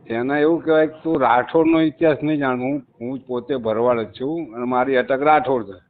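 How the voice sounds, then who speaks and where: On a tinny phone line, a male caller with a medium-pitched voice talks a little fast. He presses his case insistently, repeating his points with emphasis.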